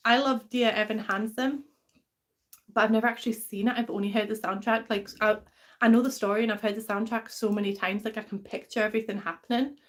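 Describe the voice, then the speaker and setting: Chatty woman with a mixed English-Scottish accent. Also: a little high. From England. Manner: chatty, rambling, many fillers and restarts. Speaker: livestream host. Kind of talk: casual live stream chat reading comments.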